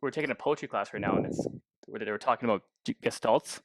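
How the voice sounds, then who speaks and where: A man co-hosting a podcast in casual literary discussion, restarting haltingly as he forms his ideas. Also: lowish voice, noisy background. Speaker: podcast co-host and interviewer.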